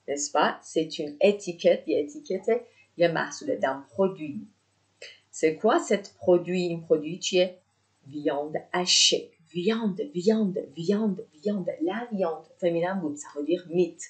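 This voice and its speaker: A woman leads a beginner French lesson. She speaks slowly in a slightly low voice. Each word gets said twice, calmly and patiently. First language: Persian. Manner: patient, repeats each word, glosses in Persian. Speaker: French teacher. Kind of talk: slow vocabulary lesson, repeating words.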